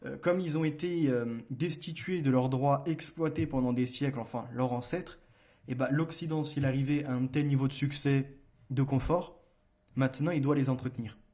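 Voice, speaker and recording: A man with a mellow, darker voice hosts a solo commentary show. He speaks in a middle pitch. He challenges his listeners with pointed rhetorical questions, often hesitating and restarting mid-sentence. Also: fairly even intonation, moderate pace. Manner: argumentative, addresses listeners directly with rhetorical questions. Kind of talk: solo political commentary, reading book passages aloud.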